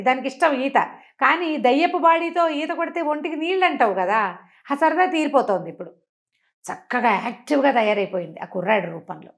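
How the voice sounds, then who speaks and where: A woman narrates a folk-style moral story for children. Her voice sits a little high and she speaks very quickly. She keeps it conversational and performs the characters' dialogue inside the narration. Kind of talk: animated oral storytelling of a children's moral tale.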